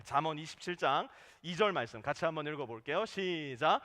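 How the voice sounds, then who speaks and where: A man preaching a sermon as pastor in a church, animated, now and then acting out what church members say. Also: on the high side. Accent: Korean. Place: church sanctuary. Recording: long hall reverb.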